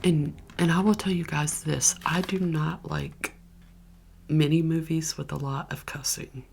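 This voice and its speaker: A woman softly whispering chatty, gushing movie recommendations as an ASMR vlogger. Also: deep voice, steady tone, unhurried, vocal fry, a little hiss or hum. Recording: keyboard clicks and typing behind voice.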